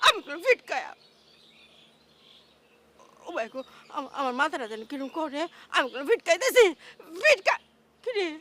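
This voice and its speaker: A woman's voice: sits high, very animated, moderate pace, long pauses. Woman acting as a wailing village mother. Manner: tearful, loud lamenting.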